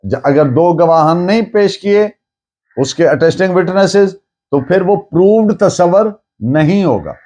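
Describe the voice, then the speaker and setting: A man with a Pakistani accent lecturing on law in a didactic, deliberate way, restating points in plain words and mixing in English terms. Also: high voice, lively intonation, mellow.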